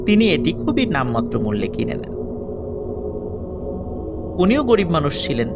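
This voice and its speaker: Male horror narrator, gravelly voice, dramatic pauses, loud music bed under him. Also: medium pitch. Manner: dramatic pauses, swinging between loud and hushed. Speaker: storyteller. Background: loud eerie music.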